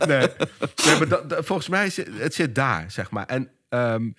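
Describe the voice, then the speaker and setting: A man with a Dutch accent, a podcast guest explaining his ideas with frequent restarts and searching pauses. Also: medium pitch, animated, a bit bright, no room sound, studio quality. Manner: thoughtful, searching for words with many restarts. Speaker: podcast guest, behavioral scientist and speaker. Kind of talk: casual podcast conversation.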